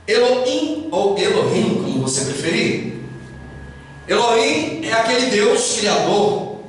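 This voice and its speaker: Brazilian male pastor, slow measured preaching, caught from a distance in a booming hall. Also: big pitch swings, slight background noise. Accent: Brazilian Portuguese. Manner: emphatic preaching, slow and deliberate, bursts of raised voice. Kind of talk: sermon. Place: church hall. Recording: echoey hall from far off.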